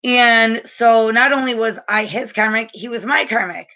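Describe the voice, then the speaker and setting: Woman, late 30s, spiritual reader, chatty and earnest, crisp bright tone, a bit muffled. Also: fairly high pitch, moderate pace. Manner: chatty, filler-heavy, earnest and frank. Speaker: spiritual reader and energy healer. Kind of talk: casual spiritual advice talk to camera.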